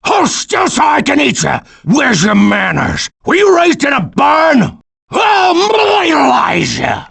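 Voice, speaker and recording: Bullying slobbery Rottweiler for a cartoon game, shouted, slow and swooping. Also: male voice, very high voice, huge pitch swings, vocal fry, heavily acted. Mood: menacing. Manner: bullying, threatening. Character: vicious, slobbering Rottweiler guard dog. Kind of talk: cartoon video game voice acting.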